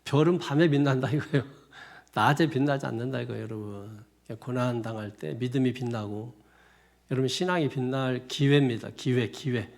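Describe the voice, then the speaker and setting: The pastor speaks a little fast in a mid-range voice with vocal fry. He keeps the sermon conversational, repeating himself and laughing at his own colloquial asides.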